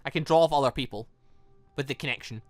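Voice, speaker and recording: A man's voice: medium pitch, quick pace, dry recording, soft background music, voice pushed down, close to an everyday voice. A man voicing a guarded, dutiful young male student team leader in a visual novel, speaking plainly and carefully. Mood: reluctant, firm. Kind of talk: visual novel character reading.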